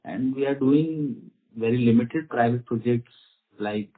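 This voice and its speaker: Husky-voiced Indian male executive answering investor questions over a thin conference phone line. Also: mid-range voice, measured pace. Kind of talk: earnings call answers. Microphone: phone conference call.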